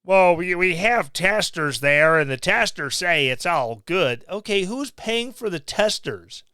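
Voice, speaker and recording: Slow, sarcastic middle-aged man ranting. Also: high voice, expressive, sharp tone, smooth, dry recording, studio quality. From Missouri, USA. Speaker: podcast host. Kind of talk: opinion commentary. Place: small home room. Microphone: studio mic on stand, close.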